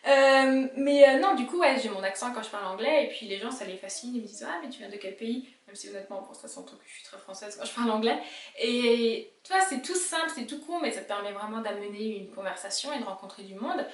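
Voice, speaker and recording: A young woman with an Alsatian accent, chatting casually to camera as a vlogger, animated and talking straight to her viewers. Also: fairly high pitch, quick pace, recorded from a distance. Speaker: illustrator vlogger. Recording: roomy sound, mic set back.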